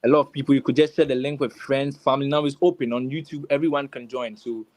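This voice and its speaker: Man, mid-pitched, urging webinar co-host. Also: steady tone, quick pace, a little mellow, no echo. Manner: repetitive, urging. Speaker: co-host welcoming attendees. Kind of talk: informal live webinar hosting.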